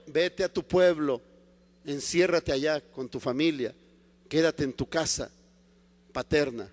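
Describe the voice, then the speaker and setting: A man voicing God as a calm, stern, commanding figure in a sermon, speaking slowly and softly. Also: fairly high pitch, in a large hall, pitched below the performer's own voice, natural voice. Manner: slow, hushed, firm and patient. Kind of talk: acted quote in a sermon.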